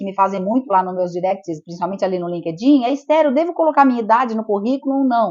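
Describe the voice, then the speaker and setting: At a very fast pace, a woman speaks with a fairly high pitch. Her intonation is lively. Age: 60s. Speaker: headhunter and speaker. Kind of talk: talk show interview.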